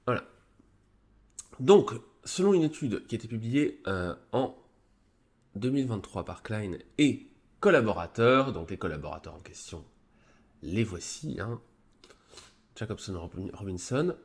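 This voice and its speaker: A man who has a cold, hosting a live stream, explaining a psychology article in a casual, halting way with many fillers and restarts. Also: on the low side, sing-song. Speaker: streamer presenting a psychology review.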